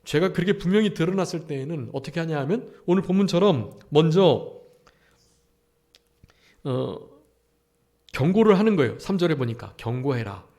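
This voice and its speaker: A man preaching a Sunday sermon to a church congregation. His voice sits slightly high and rises and falls in a lively way. He keeps asking the congregation rhetorical questions and then answers them himself. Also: moderate pace, pauses often. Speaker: pastor. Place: church service.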